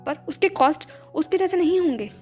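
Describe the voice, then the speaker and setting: A woman voicing a gentle, practical young woman who protests earnestly, in a storybook reading. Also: very high voice, animated, a little fast. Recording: dull lo-fi with background music.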